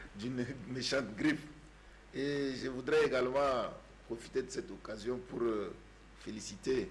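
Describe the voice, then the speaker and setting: At a moderate pace, a man talks with vocal fry at a medium pitch and ordinary pitch variation, with audible room echo. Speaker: TV panelist. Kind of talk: TV panel debate.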